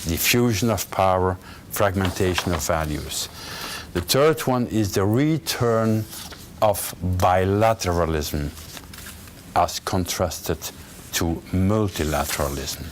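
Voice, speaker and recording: A man with a Flemish accent and very deep, low pitch, very slow pace with long, frequent pauses, lively intonation, and noticeable background noise. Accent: Belgian Dutch (Flemish) accent in English. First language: Dutch. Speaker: ambassador lecturing on diplomacy. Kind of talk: lecture. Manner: halting, with repetitions.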